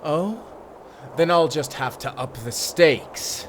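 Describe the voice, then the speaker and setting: Fantasy audio-drama villain: menacing, mocking, very unhurried and highly animated, with clear background noise. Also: male voice. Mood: threatening. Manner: menacing, drawn-out, mocking delivery with villainous chuckles. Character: gloating, theatrical male fantasy villain brought to life.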